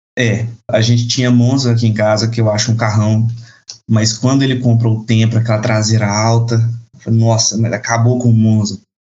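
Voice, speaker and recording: In a room with audible echo, a man talks at a moderate pace and medium pitch, somewhat breathy, with monotone, flat intonation and very even loudness. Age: 20s. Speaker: Instagram page creator and car enthusiast. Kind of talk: casual interview.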